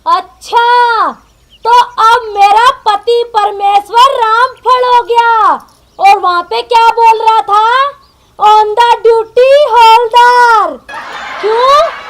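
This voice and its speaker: Woman as a slow, very high, bossy mother-in-law, taunting, comedy film. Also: fairly bright tone, heavily acted. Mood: bossy, gloating. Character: bossy scolding middle-aged mother-in-law.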